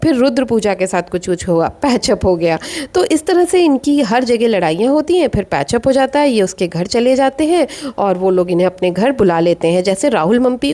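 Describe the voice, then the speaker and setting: A woman's voice: on the high side, warm tone. Woman, vlog host, casual commentary, opinionated and chatty, rhetorical questions. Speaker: vlog host reviewing other vloggers.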